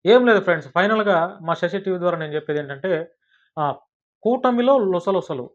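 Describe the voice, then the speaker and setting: High-pitched Telugu man presenting news. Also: lively intonation, brisk. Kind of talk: political news commentary to camera. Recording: dull, lo-fi sound.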